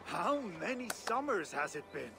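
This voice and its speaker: An actor playing an aging Viking king turned Christian, slow and gentle in manner, laughing often in a video game cutscene. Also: high-pitched, big pitch swings, vocal fry, full character voice. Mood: calm.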